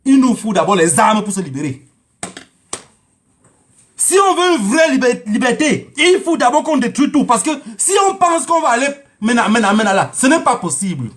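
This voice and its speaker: A man giving an informal political monologue to online viewers, haranguing them emphatically and repeating phrases for effect. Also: high voice.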